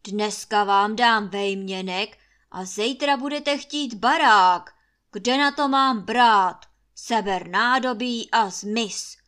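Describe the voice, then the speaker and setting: A woman's voice: mid-range voice, fairly bright tone, natural voice. A woman voicing a blustering, short-tempered old male landlord who roars and curses in a storybook reading. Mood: raging. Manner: roaring, cursing, short-tempered.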